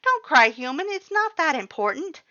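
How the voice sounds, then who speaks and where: A woman plays an excitable, vain skeleton man from a fan-made storybook, pitched well up from her own voice. He is bossy yet kind and declaims everything loudly and theatrically. The audio is a little dull. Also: normal speed, heavily acted. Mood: alarmed. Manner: loud, emphatic, theatrical exclamations.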